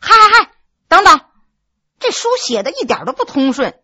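A woman storyteller voicing a sharp-tongued young wife who scolds quickly and shrilly. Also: high-pitched, expressive, dry recording, muffled recording, exaggerated voice. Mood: scolding.

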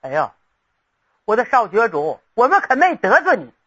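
A woman's voice: on the high side, wildly swooping pitch, normal speed, a bit bright, husky, muffled recording, full character voice. A woman storyteller voicing timid male household servants who plead and urge caution. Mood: fretful.

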